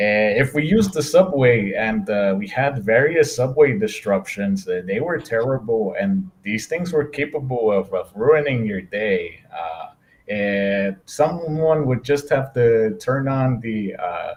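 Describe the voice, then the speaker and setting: Speaking with a New York accent, a man moves at a fairly slow pace, his medium pitch swinging very widely. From New York City, the Bronx. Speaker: immigrant guest. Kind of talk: interview on live stream. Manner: hesitant, many fillers.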